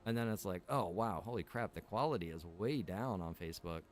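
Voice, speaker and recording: Low-voiced and brisk, this man keeps his intonation lively as he streams a game. He's a streamer and server operator, casually talking to viewers and thinking aloud without much structure.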